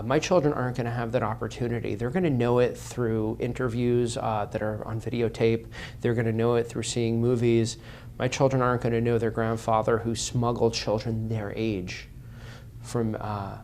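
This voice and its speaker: A man's voice: medium pitch, flat delivery, normal speed, darkish tone, a little hiss or hum. A man speaking as an interview guest, earnest and impassioned, repeating phrases for emphasis.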